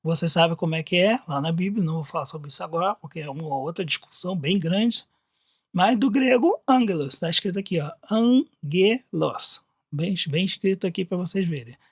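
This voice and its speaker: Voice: medium pitch, animated, brisk, slightly rough, no room sound, clean studio sound. A teacher with a Brazilian Portuguese accent explaining Bible words from slides in a recorded lesson, talking conversationally, thinking aloud and often restarting sentences.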